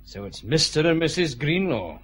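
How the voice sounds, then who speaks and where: A commanding Scottish chief inspector in a radio drama, with a bright, forceful tone. His clipped orders rise and fall with lively pitch. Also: normal speed, breathy edge, exaggerated voice. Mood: stern. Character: male Glasgow detective chief inspector, commanding.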